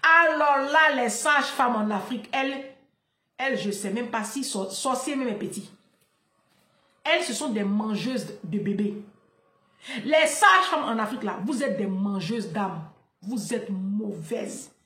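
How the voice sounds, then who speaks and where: A woman's voice: medium pitch, measured pace, fairly bright tone, reverberant. A woman, delivering a fiery, scolding monologue to camera. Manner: fiery, scolding, repeats "là" and "hein". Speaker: online commentator.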